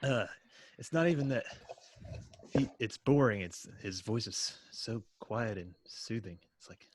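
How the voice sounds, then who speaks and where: Deep-voiced laid-back podcast host. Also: male voice, unhurried, a little hiss or hum. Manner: laid-back, laughs often. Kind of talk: late-night casual podcast chat.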